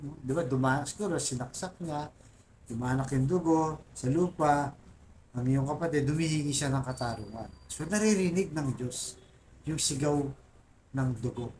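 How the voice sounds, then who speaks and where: A man's voice: a little high, darkish tone, a little hiss or hum. A man with a Filipino accent, talking informally and earnestly to his viewers about faith, often asking "right?" and reading verses aloud. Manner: earnest, repeats "di ba?" and "guys" often, reads scripture aloud. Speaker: Catholic faith vlogger. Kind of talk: informal religious teaching to viewers.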